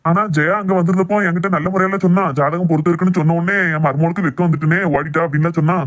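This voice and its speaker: A man's voice: a little high, fairly even intonation, very fast, natural voice. A man voicing a stubborn, protective middle-aged village father in a cartoon family drama, assertive, with a Tirunelveli Tamil accent. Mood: confident, reassuring. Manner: assertive, dismissive of objections.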